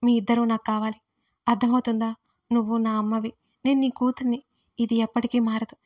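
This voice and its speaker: A woman's voice: fairly high pitch, flat delivery, brisk, darkish tone, natural voice. A woman voicing a hurt, demanding adult daughter who confronts her parents in an audiobook family drama. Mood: tearful. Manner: reproachful, emotional. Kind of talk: audiobook role reading.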